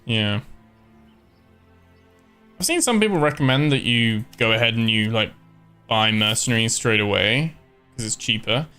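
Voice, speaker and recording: Male streamer, laid-back thinking-aloud delivery, crisp bright tone over faint game music. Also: medium pitch, normal speed, long pauses. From born in Scotland, raised in Ireland. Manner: relaxed, thinking aloud with many ums and likes. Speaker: live-streamer. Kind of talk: casual gameplay commentary.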